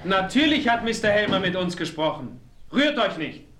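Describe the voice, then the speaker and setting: An actor playing a stern Native American chief in a German western radio play, giving curt, imperious commands in a roomy studio. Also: male voice, sits high, big pitch swings, normal speed, a bit bright. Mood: commanding.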